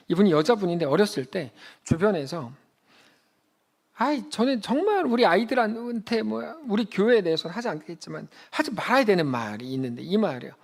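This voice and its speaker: Animated male pastor preaching a sermon. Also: gravelly. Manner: swings between loud emphatic peaks and quiet low asides; storytelling, acts out quotes in a child's voice. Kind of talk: Sunday sermon. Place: church sanctuary.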